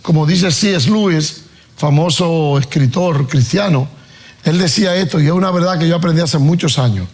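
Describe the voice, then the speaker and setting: Man, pastor, sermon, fairly high voice, emphatic questions. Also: normal speed, a little mellow. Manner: preaches with rising, emphatic questions and Bible reading.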